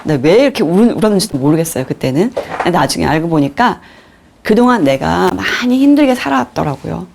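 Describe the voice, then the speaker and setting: A woman in her forties gives a lecture, telling her own life story openly and acting out the people she quotes. Her voice sits on the low side and moves widely up and down. It carries a gravelly edge. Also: fast talker, slight background noise. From Korea. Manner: candid, animated storytelling, acts out quoted voices. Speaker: lecturer on nonviolent communication. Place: lecture hall.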